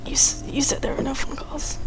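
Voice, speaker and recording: A woman's voice: fairly quick, whispered. A woman chatting casually as co-commentator on a video game. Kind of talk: casual chat. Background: game music.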